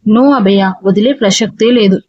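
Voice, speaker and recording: A man's voice: sits high, a little slow, dry recording, dull audio. A woman voicing a protective young man who speaks earnestly and heatedly in a storybook reading. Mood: indignant, protective.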